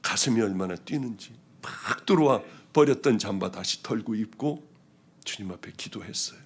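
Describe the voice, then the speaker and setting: A male pastor giving a testimony sermon, telling his story with strong feeling and moving between hushed and loud passages. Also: lowish voice, lively intonation, moderate pace, husky.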